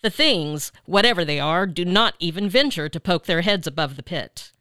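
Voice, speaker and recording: A brisk male army captain played by an actor reports with a forceful, clear voice. He sounds clipped, overconfident and dismissive, as in a radio drama field report. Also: high voice, lively intonation, no echo, studio quality. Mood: confident, brisk.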